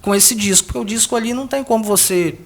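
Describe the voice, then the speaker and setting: A political analyst and pollster with a Brazilian Portuguese accent explains polling in interview answers, his voice high and fast. He goes on at length, restarting often and tacking on tag questions.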